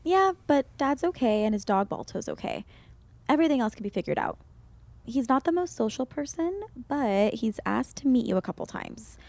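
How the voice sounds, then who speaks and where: Woman acting a mellow, gentle teenager. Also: a little high, sing-song, moderate pace, creaky, no echo. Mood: warm, relieved. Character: gentle, caring adolescent with water powers. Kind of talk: audio drama acting.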